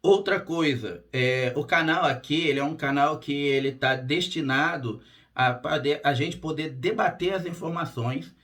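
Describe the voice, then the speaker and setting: A hoarse man hosting his own channel as a spiritual therapist, talking straight to camera in a plain, direct way, often checking in with his listeners. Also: on the high side, measured pace, fairly bright tone. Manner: direct and plain-spoken, frequent "tá?" check-ins. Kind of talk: casual monologue to camera.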